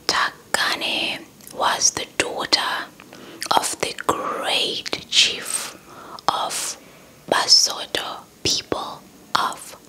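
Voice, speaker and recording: Young woman, breathy whisper, extremely slow and deliberate, very bright, ASMR storytelling, close handheld mic. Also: rough recording. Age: young adult. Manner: slow, deliberate, repeats words softly. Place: indoors in front of a dark cloth backdrop. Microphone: handheld small mic with fluffy windscreen, held close.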